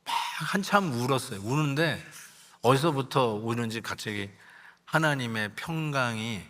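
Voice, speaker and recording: An older male pastor delivers a sermon built on a personal story, speaking in a conversational, emotional way. His voice sits at a middle pitch for a man, and he slips into quoted lines as he tells the story, sometimes using English words. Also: animated, a little slow, fairly bright tone.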